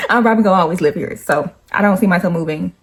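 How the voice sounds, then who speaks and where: A woman's voice: lowish voice, wildly swooping pitch, fairly quick. A woman, chatting casually and laughing often as she answers get-to-know-me questions. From Nashville, Tennessee. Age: 20s. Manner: chatty, laughs often, slangy asides to viewers. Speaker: YouTuber.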